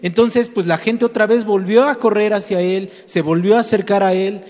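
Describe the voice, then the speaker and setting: Preacher with a high voice. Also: male voice, steady tone, normal speed, a little mellow. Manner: storytelling, addresses listeners directly with rhetorical questions. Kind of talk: sermon. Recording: long hall reverb.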